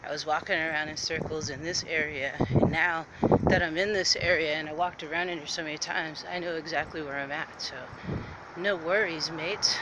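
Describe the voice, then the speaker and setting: A man chatting casually while walking outdoors, rambling with restarts and a bit out of breath. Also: fairly high pitch. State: slightly out of breath. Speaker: vlogger. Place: outdoors on streets near an air base. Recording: noisy outdoor street with traffic. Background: traffic and urban ambience.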